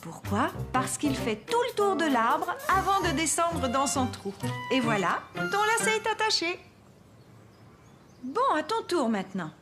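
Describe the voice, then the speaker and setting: A woman voicing a gentle, patient young mother in a children's cartoon dub, encouraging and explaining things step by step. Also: high-pitched, very animated, unhurried, music in the background.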